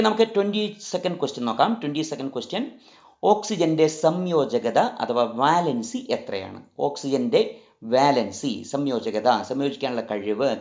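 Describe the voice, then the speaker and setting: A man with a medium-pitched, slightly mellow voice runs a chemistry quiz lesson, repeating each question and switching between languages. He coaxes listeners toward answers with pauses, in a roomy, slightly dull recording with faint music.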